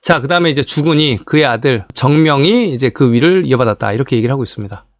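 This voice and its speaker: A man's voice: mid-range voice, quick pace, no room sound. A man giving a live history lecture who talks straight to his viewers, asking rhetorical questions and stressing key points. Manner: animated, rhetorical questions, addresses viewers directly.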